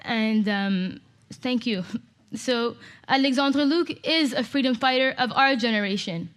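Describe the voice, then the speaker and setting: A woman's voice: on the high side, unhurried. A woman from Canada giving an impassioned, emphatic public talk to an audience. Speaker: speaker.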